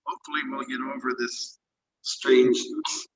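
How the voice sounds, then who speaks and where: A man leading an online class discussion as a spiritual teacher, speaking thoughtfully with hesitant fillers, his voice robotic and low in sample rate over a video call. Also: little pitch movement, normal speed, breathy edge, highs cut off. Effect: robotic, low sample rate video-call audio.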